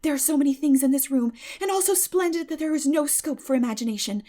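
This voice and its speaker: Woman as an earnest, gushing, high-voiced young girl. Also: quick pace, warm tone, natural voice. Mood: awed, wistful. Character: chatty, earnest, excitable country girl with romantic fancies. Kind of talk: dramatic audiobook character reading.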